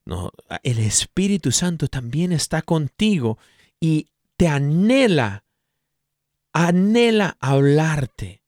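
A man co-hosting a Catholic program, preaching warmly to listeners and acting out playful voices. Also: on the high side, no room sound, studio quality. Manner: animated, exhorting listeners directly, acts out voices playfully. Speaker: co-host of a Catholic radio program. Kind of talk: preaching in casual chat.

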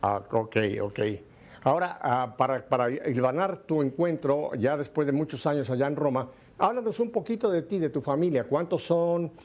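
A man's voice: a little high, moderate pace, muffled recording. A man hosting an interview, asking long rambling questions. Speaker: interview host.

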